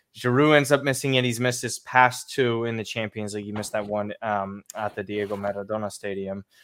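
A man talks at a fairly quick pace. His intonation is fairly even, with hardly any pauses. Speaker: podcast host. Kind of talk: casual chat.

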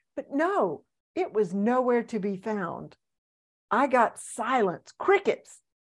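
A woman speaks very slowly in a Southern US accent with very wide pitch swings. The recording is very clean, with a silent background. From US South (Mississippi). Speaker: public speaker and author. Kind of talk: interview.

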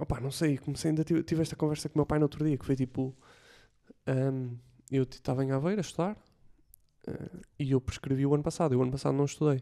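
Man with a European Portuguese accent, fairly high pitch, dark, mellow tone, fairly even intonation, a very fast pace and long, frequent pauses. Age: 20s. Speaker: comedian. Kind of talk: casual chat.

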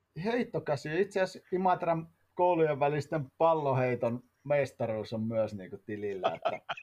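A man with a fairly high pitch, very wide pitch swings and a moderate pace. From eastern Finland, Imatra. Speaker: ice hockey coach. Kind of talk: interview.

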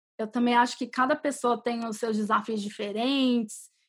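The recording is very clean, with a silent background. A woman speaks at a high pitch. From Brazil, Belo Horizonte. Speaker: tech program manager. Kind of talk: podcast interview.

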